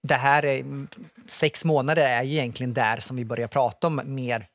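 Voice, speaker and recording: A man in his thirties, a nurse guest on a morning TV show, explaining in a relaxed way with many fillers, recorded on a lapel mic in a studio. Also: mid-range voice, no echo. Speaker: pediatric specialist nurse guest.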